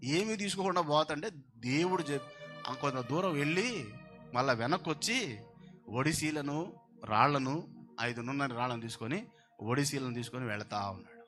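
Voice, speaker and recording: A man preaching a sermon, telling the story with lively, animated delivery. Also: medium pitch, moderate pace, pauses often. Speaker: pastor. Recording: music behind the voice. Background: music.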